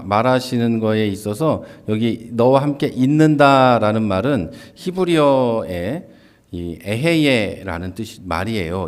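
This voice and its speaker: Man giving an explanatory Bible lecture. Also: medium pitch. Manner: explains step by step, often starting a point with "자"; acts out quoted lines with livelier voice.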